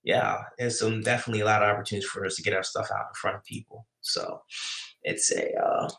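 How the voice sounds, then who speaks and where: A man's voice: on the low side, fairly even intonation, fast talker, gravelly, fairly bright tone. A man with a New York accent, chatting casually on his live writing stream, rambling with many restarts as he answers chat. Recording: echoey room.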